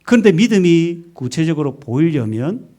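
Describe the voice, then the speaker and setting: A man's voice: on the high side, very animated, moderate pace, warm tone. A male pastor preaching a Sunday sermon in a church, emphatic, asking rhetorical questions and leading the congregation to repeat after him. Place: church sanctuary.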